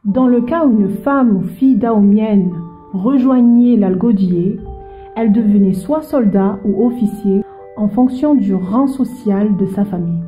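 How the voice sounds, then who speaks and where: A woman presenting a history explainer, lively and speaking directly to the viewer. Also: medium pitch, a little slow, echoey room, narrow, tinny audio, faint music behind.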